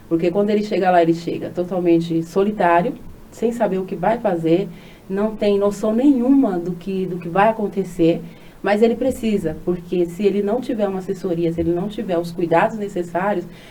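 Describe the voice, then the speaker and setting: In a plain, everyday voice, a woman talks at a moderate pace with a medium pitch and ordinary pitch variation. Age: 50s. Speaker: funeral services professional. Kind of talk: interview.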